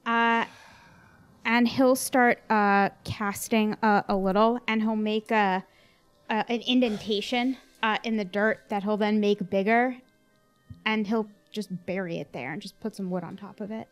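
A woman's voice: medium pitch, fairly even intonation, a little slow, clean tone, soft background music. A woman chatting casually in character as a player in a tabletop game.

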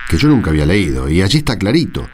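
A man's voice: low voice, big pitch swings, rapid-fire, soft background music. An actor with an Argentine accent playing an exasperated, grumbling man on a school committee in a radio drama. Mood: worried. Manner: grumbling, repetitive.

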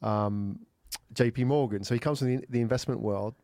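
A man in his forties hosts a casual interview at a middle pitch. He prompts his guest in a friendly way, with plenty of fillers. The recording is dry and close. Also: normal speed, a little mellow, no room sound. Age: 40s. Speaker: podcast host.

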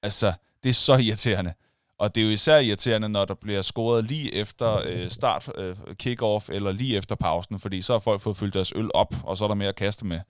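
A man's voice: fairly low pitch, clear, resonant tone, no room sound, clean studio sound. Man animatedly telling a story. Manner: animated storytelling, acts out crowd shouts. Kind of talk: casual chat.

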